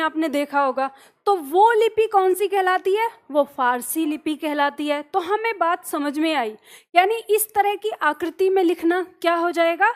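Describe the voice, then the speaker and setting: High-voiced woman teaching Hindi grammar. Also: a bit bright. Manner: asks questions and answers them herself; explains patiently with everyday examples. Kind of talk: classroom grammar lesson.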